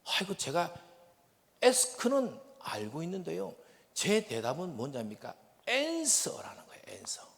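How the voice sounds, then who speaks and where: A man with a Gyeongsang accent preaching a sermon as a missionary, shifting from loud bursts to hushed whispers. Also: a little high, huge pitch swings, normal speed, creaky. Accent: Gyeongsang Korean. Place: church sanctuary. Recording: long reverb of a church hall.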